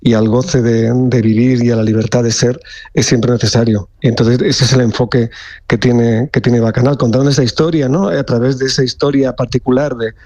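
A man, a theatre director, explaining his play in a steady way during an interview. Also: medium pitch, a little fast, no room sound, clean studio sound. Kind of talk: radio interview.

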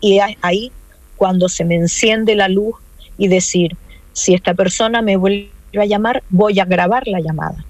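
A woman's voice: mid-range voice, moderate pace, a little mellow, no echo, rough recording. Interviewee: earnest woman, mid-range voice, dry close sound, insistent retelling. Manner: earnest, insistent, repeats key points. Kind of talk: emotional personal account.

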